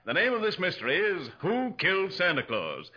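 Very bright, theatrical radio gentleman. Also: high voice, huge pitch swings, moderate pace, heavily acted. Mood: mock solemn. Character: theatrical gentleman financier, playful club member. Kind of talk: 1940s radio drama acting. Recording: dull old 1940s radio recording.

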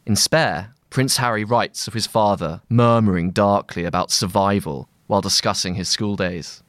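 A man reading a scripted long-form article aloud in a measured, articulate, literary manner. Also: fairly low pitch, a bit bright, no echo, clean studio sound. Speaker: narrator of a long-read magazine article.

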